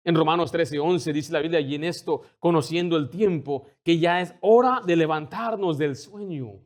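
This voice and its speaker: High-voiced man preaching a sermon. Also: a little mellow. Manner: preaching with rising intensity, acting out quoted dialogue. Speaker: pastor.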